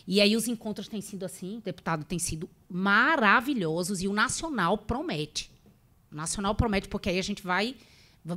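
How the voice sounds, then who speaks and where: Middle aged woman w northeastern brazil accent, explaining stuff informally at a meeting, mid pitch, table mic. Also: fairly bright tone. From Rio Grande do Norte, northeastern Brazil. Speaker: government official, guest speaker. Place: legislative meeting room, indoors. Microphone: table boom microphone.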